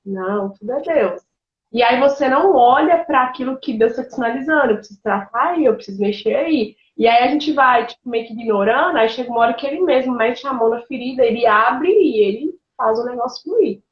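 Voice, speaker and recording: High-voiced woman pastor giving testimony. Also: brisk, reverberant, muffled recording. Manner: emotional, animated storytelling with laughs and colloquial fillers. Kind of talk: testimony in a conversational interview.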